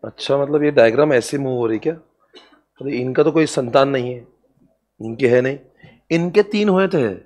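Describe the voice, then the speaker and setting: A man's voice: mid-range voice, moderate pace, pauses often, darkish tone. A man giving a classroom lecture on business strategy to students, playful and joking, often breaking into laughter. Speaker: commerce exam lecturer.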